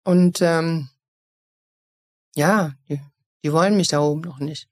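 A woman's voice: deep voice, fairly even intonation, slow pace, a little mellow. A woman from Eupen in Belgium with an East Belgian German accent, a guest talking openly and reflectively in an interview, often restarting her sentences. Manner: frank, reflective, with many restarts. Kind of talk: personal interview conversation. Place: Cologne.

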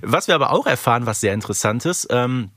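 A man's voice: medium pitch, expressive, fast talker, a bit bright, dry recording, studio quality. A man co-hosting a podcast with casual, wry, playfully exaggerated humorous commentary. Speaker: podcast co-host.

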